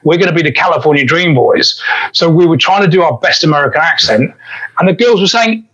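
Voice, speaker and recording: A man's voice: on the high side, lively intonation, a little fast, fairly bright tone, dull audio. A man, a fitness coach chatting on a podcast and telling stories with frequent restarts. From England. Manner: chatty, self-correcting storyteller. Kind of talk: casual podcast storytelling.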